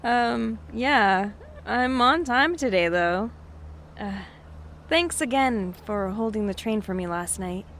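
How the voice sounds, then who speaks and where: A young woman with a dry, teasing, understated manner in a naturalistic audio drama. Her voice sits a little high and she speaks slowly. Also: lively intonation, a bit bright, a little hiss or hum, full character voice. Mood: polite. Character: Rosalind, young woman newly in town, dryly teasing.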